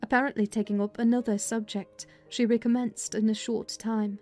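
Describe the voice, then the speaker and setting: A woman's voice: fairly high pitch, little pitch movement, normal speed, darkish tone. A woman narrating a dramatized audiobook of a classic novel in the first person. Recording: music under the voice.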